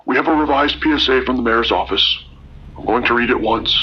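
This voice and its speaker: A man as a husky, grim radio broadcaster. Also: mid-range voice, lo-fi sound. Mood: grim, shaken. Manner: grave, measured reporting. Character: grim, shaken male emergency broadcaster. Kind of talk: radio drama acting.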